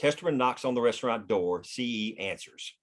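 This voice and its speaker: A man's voice: mid-range voice, lively intonation, fairly quick. A man reading scripted screenplay stage directions as the narrator of a table read.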